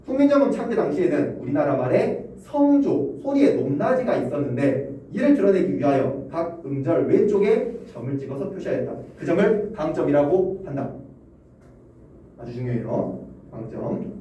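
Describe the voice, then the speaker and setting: A male Korean language teacher with a warm, somewhat high, very animated voice lectures his class at a moderate pace, asking students questions and chuckling often. The recording picks up a roomy classroom echo through a distant mic, along with a faint hum.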